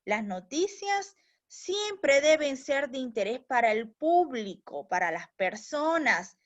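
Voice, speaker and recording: A high-voiced woman teacher talks slowly and patiently, explaining each step to young pupils and pausing to check that they are following. The recording is slightly dull and lo-fi. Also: sing-song. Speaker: primary school teacher. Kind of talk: recorded language lesson for children.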